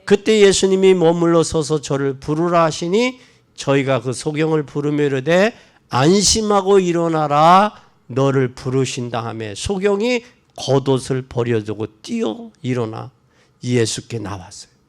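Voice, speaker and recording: Male pastor preaching, a bit high-pitched, fires questions at the crowd and answers them himself, gets loud on the scripture bits. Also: lively intonation, a little slow. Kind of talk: sermon.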